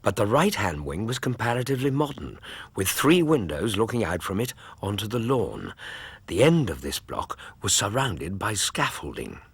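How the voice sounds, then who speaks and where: An actor playing Dr Watson, a Victorian doctor, narrating the story in a measured way. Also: male voice, on the low side, big pitch swings, slightly rough, dry recording, full character voice. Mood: calm. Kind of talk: audio drama narration.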